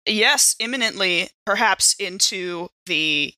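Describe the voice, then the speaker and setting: Bright-voiced woman playing a tabletop game. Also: mid-range voice, lively intonation, takes it slowly, no echo. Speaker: player in a tabletop roleplaying game. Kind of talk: casual in-character play and game chat.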